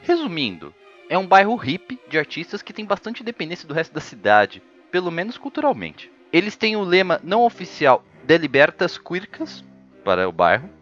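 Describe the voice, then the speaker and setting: Lively, ironic man narrating history. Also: sits high, moderate pace, dull audio, soft background music. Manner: ironic, jokey asides. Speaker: history video host. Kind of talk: scripted narration.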